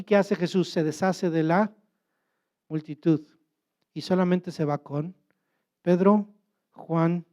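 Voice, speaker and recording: A man's voice: a little high, darkish tone, dull audio. A man preaching as a pastor, asking questions and answering them himself. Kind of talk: sermon.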